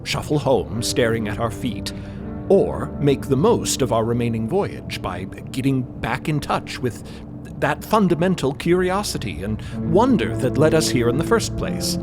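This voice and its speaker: A man's voice: medium pitch, very animated, unhurried. A man playing a grandiloquent, optimistic explorer who orates pompously in an audio drama. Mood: earnest. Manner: pompous, oratorical. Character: grandiloquent, optimistic male explorer prone to stirring speeches. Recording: music bed underneath.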